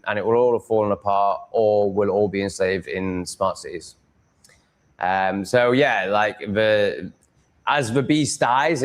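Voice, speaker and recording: A man with a Yorkshire accent chatting casually as a livestream host, rambling in a blunt, crude, sweary way. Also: fairly low pitch. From Yorkshire, England.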